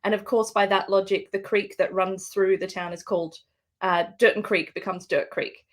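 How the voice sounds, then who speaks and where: A woman's voice: medium pitch, level tone, moderate pace. An Australian woman, an author, speaking thoughtfully with fillers and restarts in a live book interview over a video call. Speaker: guest author.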